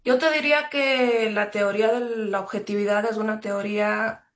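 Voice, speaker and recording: A woman from Ecuador, a journalist, answering interview questions in a thoughtful, measured way with frequent fillers and restarts. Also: medium pitch, fairly even intonation. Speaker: journalist guest. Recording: roomy echo.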